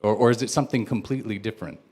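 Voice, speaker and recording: A man with a low voice who teaches English stands up in the audience. He asks the speaker a long, hesitant question, restarting his sentences as he goes. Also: very fast, darkish tone.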